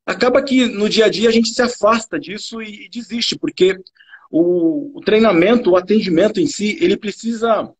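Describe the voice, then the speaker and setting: A man's voice: sits high, moderate pace, breathy edge. A Brazilian man coaching viewers on customer service, earnest and repeating key words for emphasis. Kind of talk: direct-to-camera coaching talk.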